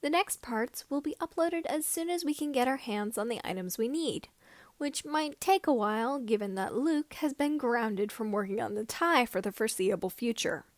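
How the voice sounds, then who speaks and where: A woman's voice: on the high side, animated, moderate pace, no echo, close to an everyday voice. A woman voicing a wry, cheerful young man giving chatty, self-deprecating video updates in a story reading. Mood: chatty, upbeat.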